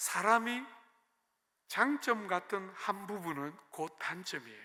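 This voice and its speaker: A man's high-pitched voice with a Gyeongsang accent, at a very slow pace. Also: lively intonation. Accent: Gyeongsang dialect, rough. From Gyeongsang region, South Korea. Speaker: pastor. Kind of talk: sermon.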